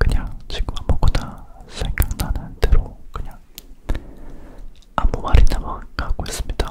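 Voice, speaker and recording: A soft-spoken man whispering at a very slow pace. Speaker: ASMR creator. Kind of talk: ASMR whisper. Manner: soft close-mic ASMR whisper. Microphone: studio mic.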